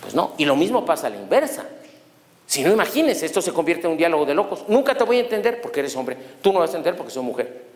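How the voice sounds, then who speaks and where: Man lecturing, lively rising and falling voice, rhetorical questions, roomy hall with long reverb. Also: a little high, fast. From Mexico. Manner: animated, asks the audience rhetorical questions. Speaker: law lecturer. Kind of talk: university lecture on human rights.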